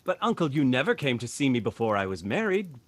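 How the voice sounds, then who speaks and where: Man playing a cheerful nephew, wildly swooping pitch. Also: very animated, fast talker, no echo, lightly acted. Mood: earnest pleading. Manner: earnest, exclamatory, theatrical. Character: Scrooge's cheerful, earnest, warm-hearted nephew. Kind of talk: radio play acting.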